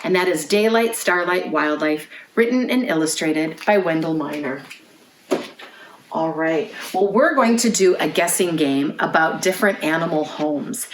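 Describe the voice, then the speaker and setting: A woman hosting a children's storytime, reading aloud in clear phrases and putting questions to young listeners. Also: sits low, animated, measured pace, slight background noise. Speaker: children's librarian, storytime host. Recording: roomy, echoey indoor sound.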